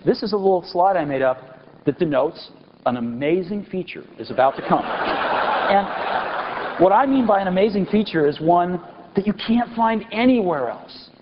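A man's voice: high-pitched, expressive. Enthusiastic man presenting on a stage. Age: 40s. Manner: enthusiastic, emphatic, pausing for effect. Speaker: company executive presenting a product keynote. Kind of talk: product launch keynote. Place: large auditorium stage. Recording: dull lo-fi 1999 event recording with faint hiss.

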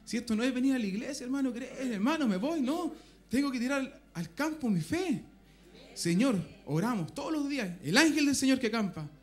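A man's voice: very high-pitched, lively intonation, brisk. A man with a Chilean accent gives an impassioned church testimony, often calling listeners brother. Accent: Chilean Spanish. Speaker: church member giving testimony. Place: evangelical church meeting.

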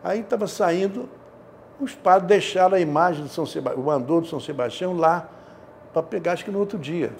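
A man's voice: sits high, lively intonation, brisk, gravelly, a little hiss or hum. A man in his seventies with a Rio de Janeiro Brazilian accent, telling anecdotes casually and repeating himself. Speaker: interview guest, theatre director. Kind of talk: casual anecdotal interview talk. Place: indoor studio, seated. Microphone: lapel.

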